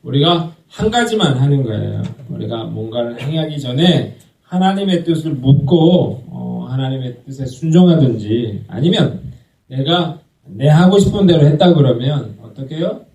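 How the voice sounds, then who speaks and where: 한 남자 목사가 설교하면서 회중에게 질문을 던지고 스스로 답한다. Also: male voice, medium pitch, expressive, moderate pace, gravelly, warm tone. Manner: asks the congregation questions and answers them himself. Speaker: pastor. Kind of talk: sermon. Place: church sanctuary. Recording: echoey church hall, mic at a distance.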